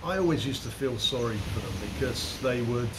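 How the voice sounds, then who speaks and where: A middle-aged man chatting as a guest, meandering and restarting his sentences, recorded in a room with a steady air-conditioner hum. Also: mid-range voice, brisk. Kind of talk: casual conversation. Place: room in the Philippines.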